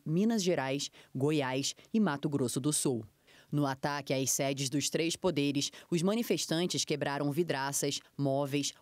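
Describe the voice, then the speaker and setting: A reporter reading a scripted news voice-over in an even, formal way. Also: mid-range voice, no room sound.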